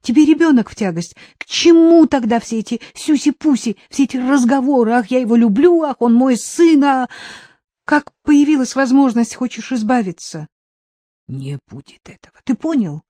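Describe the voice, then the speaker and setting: A woman voicing a distraught young mother, fierce and defensive, speaking in shrill, accusing outbursts. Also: mellow, no room sound, clean studio sound, natural voice.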